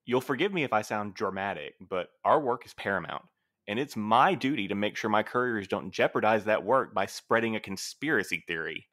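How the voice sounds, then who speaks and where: An actor playing a stern, dutiful postmaster in an audio drama, with a dramatic, formal, commanding manner. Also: male voice, lowish voice, animated, brisk, a bit bright. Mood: earnest, grave. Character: stern, dutiful, theatrical male postmaster of couriers.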